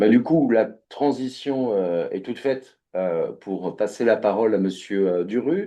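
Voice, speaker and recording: A man's medium-pitched voice at a very slow pace, with ordinary pitch variation and hardly any pauses. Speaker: panel moderator. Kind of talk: panel moderation. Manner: speaking slowly.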